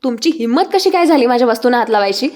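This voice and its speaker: A woman's voice: a little high, expressive, very fast, natural voice. A woman voicing an angry young male boss who snaps curt, suspicious demands in a recap of a TV serial. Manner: shouting, curt, mixes in English phrases.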